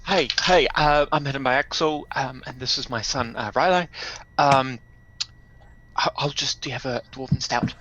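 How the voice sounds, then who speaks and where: A man's voice: medium pitch, moderate pace, fairly bright tone. A man playing a tabletop game, ordering casually with some hesitation, heard over dull lo-fi audio. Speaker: player.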